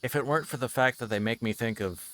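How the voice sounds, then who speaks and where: A man's voice: medium pitch, fast, a bit bright, slight background noise. A man livestreaming a visual novel, chatting casually and reading aloud, sometimes stumbling over his words. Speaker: streamer.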